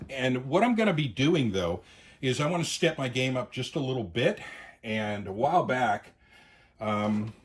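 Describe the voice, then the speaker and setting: A man's voice: medium pitch, animated, normal speed, noisy background. A man hosting a casual gear review video, talking conversationally and often hesitating and correcting himself. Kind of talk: casual product demonstration.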